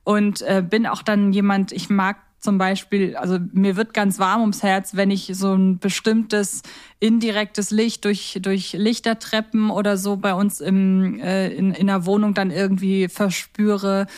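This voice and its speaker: A woman's voice: mid-range voice, level tone, unhurried, a little mellow. A woman hosting a podcast in casual, chatty, expansive conversation, telling things personally. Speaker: podcast host. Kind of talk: casual chat.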